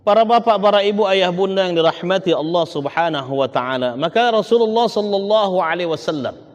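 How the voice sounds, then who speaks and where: A man giving a sermon as an Islamic preacher, often turning to his listeners and swinging between loud emphasis and hushed tones. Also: sits high, lively intonation, fairly quick, lo-fi sound. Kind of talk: sermon to a congregation. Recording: long hall reverb.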